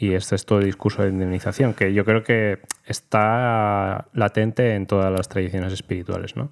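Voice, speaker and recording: A man speaks in a plain, everyday voice at a moderate pace. His pitch is fairly low and his intonation fairly even. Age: 30s. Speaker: podcast host. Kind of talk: casual chat.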